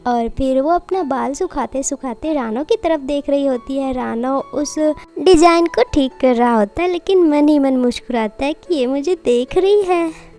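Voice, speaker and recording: A woman with a high voice tells a film's story as a casual recap. She passes along what each character says in reported speech, in an easy storytelling way. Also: unhurried, dark tone, soft background music. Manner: retells dialogue in reported speech. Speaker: movie recap narrator.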